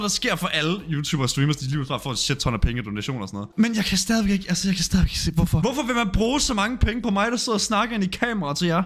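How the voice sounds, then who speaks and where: A man streaming live, talking excitably to his viewers, swearing often and sounding overwhelmed. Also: on the high side.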